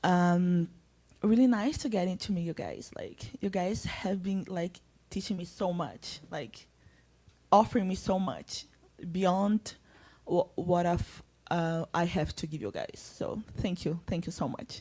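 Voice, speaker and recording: A woman with a Brazilian Portuguese accent speaks fairly slowly at a medium pitch, her tone dark, mellow and somewhat breathy. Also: ordinary pitch variation. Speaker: researcher and workshop facilitator. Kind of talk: thank-you speech. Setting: community bookstore event with audience.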